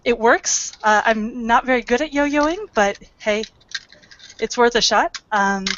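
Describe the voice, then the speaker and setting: A woman's voice: on the high side, fairly bright tone, dull audio, a little hiss or hum. A woman guest showing off her project over a video call, talking hesitantly with frequent "um"s. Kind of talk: casual explanation.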